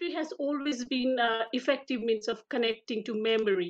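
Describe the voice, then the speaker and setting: Against a quiet background, a woman with a Bengali accent speaks at a fairly high pitch. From Bangladesh. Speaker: poet. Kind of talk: reading group discussion. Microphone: video call.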